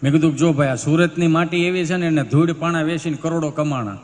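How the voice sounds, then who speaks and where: A man's voice: fairly high pitch, a little fast. A man, a folk stage comedian telling stories and acting out characters' dialogue. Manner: animated, acts out characters in dialogue. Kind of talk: live stage storytelling. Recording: long hall reverb, faint music.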